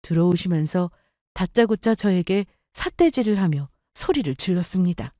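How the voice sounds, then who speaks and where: Calm woman narrating a story. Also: lowish voice. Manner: calm, measured. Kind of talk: scripted first-person story narration.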